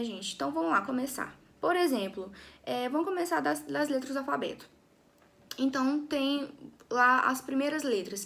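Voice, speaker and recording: High, creaky-voiced woman teaching English. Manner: chatty, repeats "né, gente?" and restarts often. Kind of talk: classroom lesson to camera.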